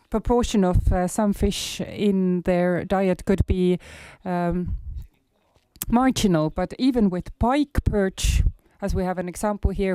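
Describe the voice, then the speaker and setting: A man with an Estonian accent, hoarse today, giving a research presentation in a halting way with many filler sounds. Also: high-pitched, mellow, dry recording. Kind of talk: conference presentation.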